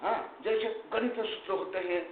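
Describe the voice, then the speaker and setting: A monk-teacher leads a scripture study class, emphatic and chiding, slipping English terms into his speech. His voice is high-pitched and fairly quick, with fairly even intonation. The sound is tinny and phone-like, in an echoey room with faint noise.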